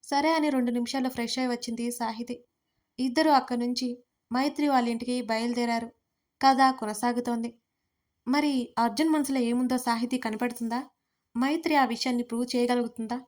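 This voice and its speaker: A woman narrating an audio story in a steady, expressive reading. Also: a little high, a little fast.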